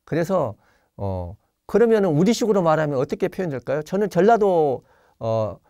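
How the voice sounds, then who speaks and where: A priest from Jeolla, Korea, speaking with a Jeolla Korean accent, gives an online spiritual lecture over a video call, his pitch lively and rising and falling. He explains gently with frequent pauses and fillers, and acts out quoted lines. The recording is dry and close, with little room sound.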